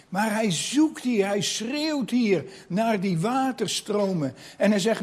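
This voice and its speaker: A man's voice: sits high, a little mellow, husky. A man preaching a sermon in a reflective, personal way, asking his listeners rhetorical questions.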